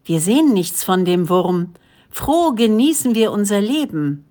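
A woman's voice: mid-range voice, big pitch swings, unhurried, mellow, pitched above the performer's own voice. Woman reading a defiant villager man. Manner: stubborn, self-assured. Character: defiant male villager, content with his life.

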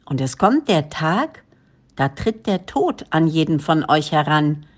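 A woman's voice: deep voice, big pitch swings, unhurried, heavily acted. A woman reading the part of an earnest male prophet who speaks in a solemn, preaching way. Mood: warning.

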